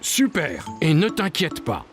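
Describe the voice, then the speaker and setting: A kindly, encouraging elder in a children's cartoon. He explains things slowly and patiently, with animated intonation and music behind him. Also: on the high side. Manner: patient, reassuring, explaining simply. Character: kindly, encouraging father or grandfather of a small boy. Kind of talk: French children's cartoon dialogue.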